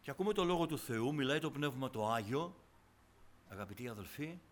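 A man with an expressive, mid-range voice preaches a sermon to his congregation with passion. He sinks into hushed tones, then climbs to loud, fervent exclamations.

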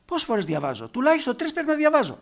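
A man preaching a sermon, emphatic and full of rhetorical questions, moving between quiet passages and loud, forceful bursts and slowing down to stress key words. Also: very high-pitched, huge pitch swings, creaky.

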